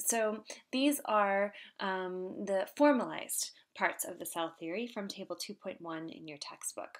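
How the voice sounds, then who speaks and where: A woman speaks fairly slowly with lively intonation. The background is quiet. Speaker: biology instructor. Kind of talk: lecture. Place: home room. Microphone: webcam.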